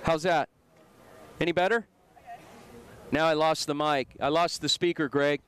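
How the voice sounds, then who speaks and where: A man's voice: on the high side, steady tone, measured pace, background noise. A man hosting a live sports show from outdoors at an airport, repeatedly checking his connection and calling out to his co-host. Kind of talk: live remote broadcast troubleshooting.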